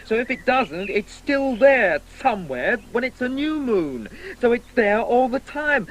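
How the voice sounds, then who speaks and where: A man's voice: extremely high pitch, expressive, unhurried, low-quality recording. A man playing a clever, haughty disabled boy in a 1980s radio drama, explaining things in a pedantic, condescending way. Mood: insistent, scornful. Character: precocious, disabled boy Alexander, pedantic, haughty, coldly provocative.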